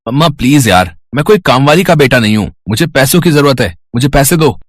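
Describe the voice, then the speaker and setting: A man's voice: mid-range voice, expressive, fairly quick, dry recording, lightly acted. A man performs a spoiled young heir from a moral tale. He is arrogant, mocking and whiny about what he is owed, sprinkling English into his speech. The sound is close and dry. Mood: whiny, demanding. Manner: mocking, whiny, entitled, mixing English words into Hindi. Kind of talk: dramatised Hindi story acting.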